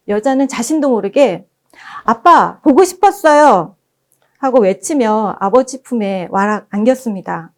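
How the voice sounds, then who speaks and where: A woman presenting at a book forum who reads passages aloud as gentle storytelling. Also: a little high. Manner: gentle storytelling, acting out quoted lines.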